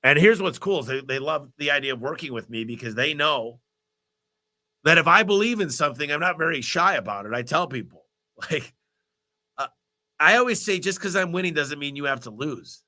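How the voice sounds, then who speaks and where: A man hosting a live business Q&A, talking in an energetic, motivational, rambling way while congested with a cold. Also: a little high, a little fast. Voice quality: stuffy, nasal. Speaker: host of a business Q&A livestream. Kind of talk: live Q&A answering viewer questions.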